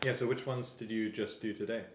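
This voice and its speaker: Lowish-voiced man chatting in an echoey room. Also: steady tone, fairly quick, faint music behind. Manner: informal, conversational, asking questions. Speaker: livestream co-host. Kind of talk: casual chat. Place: indoor room. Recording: roomy echo, clear background noise.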